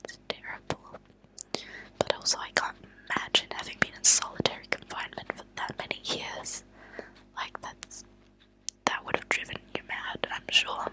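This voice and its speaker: Whispering woman, ASMR reader. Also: moderate pace. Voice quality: breathy unvoiced whisper. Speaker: ASMR channel host. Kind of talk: whispered ASMR reading of a true-crime book. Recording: lo-fi whispered home recording.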